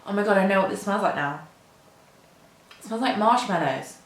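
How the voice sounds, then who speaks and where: A woman in her twenties, a beauty vlogger, does her makeup at a mirror indoors while rambling casually to camera. Her mid-range voice is animated and moderately paced, full of "like," "um" and self-deprecating asides. The room echoes and the recording is low quality.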